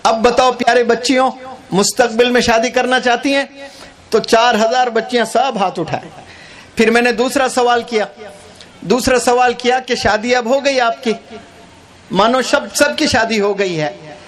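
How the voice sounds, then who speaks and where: High-voiced man giving a religious lecture. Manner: earnest, addresses brides directly, tells anecdotes. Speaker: Islamic speaker.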